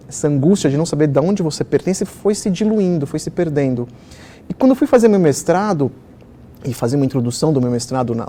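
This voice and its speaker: A middle-aged, Israeli-born children's author shares personal stories in a lively, conversational interview packed with fillers. His voice is fairly high in pitch, and there's slight background noise.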